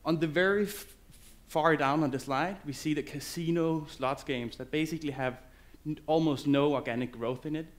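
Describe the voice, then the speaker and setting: Male conference speaker, English, loose and halting on stage. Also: mid-range voice. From Denmark. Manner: loose, halting delivery with many fillers and restarts. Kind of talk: conference presentation.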